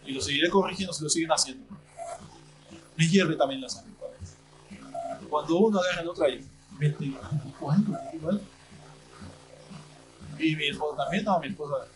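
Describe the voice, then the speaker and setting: A man preaching a sermon as pastor, acting out church members in lively asides. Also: on the high side, normal speed, pauses often, low-quality recording.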